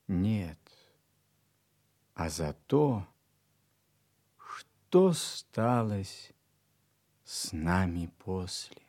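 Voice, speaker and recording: Male audiobook reader, reflective literary narration, lively pitch. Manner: reflective, lively varied intonation, soft drops in volume.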